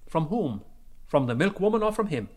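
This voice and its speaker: A man's voice: fairly high pitch, sing-song, moderate pace, pitched above the performer's own voice. A man voicing a listless, wry young intellectual in a literary audiobook, dry and resigned.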